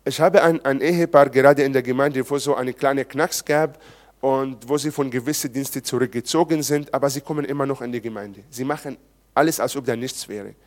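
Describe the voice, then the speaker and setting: A man with a mid-range voice speaks fairly quickly as he preaches. He's a pastor giving a sermon at a church service, talking in a conversational way and questioning the congregation.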